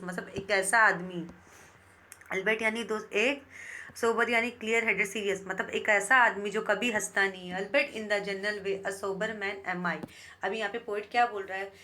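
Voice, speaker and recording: Woman teacher, bright tone, slow verse reading, quick Hindi explanation, many restarts. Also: mid-range voice. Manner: reads poem lines slowly, then explains in fast Hindi; frequent restarts and repetitions. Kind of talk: explaining an English poem in Hindi.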